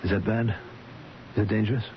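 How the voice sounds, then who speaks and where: A man's voice: lowish voice, steady tone, a little fast, a crowd in the background, natural voice. An actor in a radio drama playing an anxious, impatient man who questions urgently and insistently. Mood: anxious, pressing. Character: anxious, impatient man awaiting news of a patient. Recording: dull lo-fi radio broadcast.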